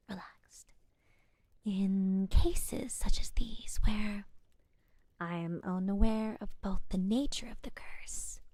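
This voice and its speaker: A woman playing a gentle, reassuring witch healer in a soft-spoken ASMR roleplay, breathy and soothing, close to the microphone. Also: medium pitch, no echo. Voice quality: breathy, mostly whispered. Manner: slow, soothing, hesitant, repeats reassurances.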